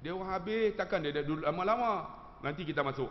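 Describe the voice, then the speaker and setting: A man preacher with a Malaysian Malay accent telling an animated, humorous story to his congregation. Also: fairly high pitch, fast, noisy background. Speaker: religious teacher. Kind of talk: storytelling sermon. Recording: dull lo-fi sound with long hall reverb.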